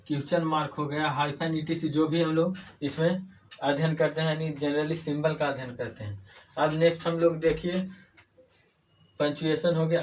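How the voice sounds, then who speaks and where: Man teaching grammar from across the room. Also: on the high side. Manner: explains step by step, repeats key words as questions. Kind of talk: classroom lecture. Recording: distant mic, faint room noise.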